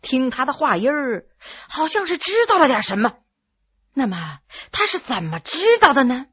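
A woman's voice: sits high, very animated, moderate pace, fairly bright tone, husky, dull audio, full character voice. A woman acting a commanding, shrewd young prince. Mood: uneasy, brooding. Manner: authoritative, scolding or coaxing. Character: commanding young prince, stern, hot-tempered yet calculating.

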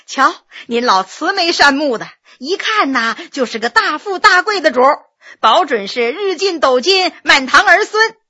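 A woman voicing a chatty, flattering middle-aged innkeeper woman who gushes and talks fast. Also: sits high. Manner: gushing and fast-talking.

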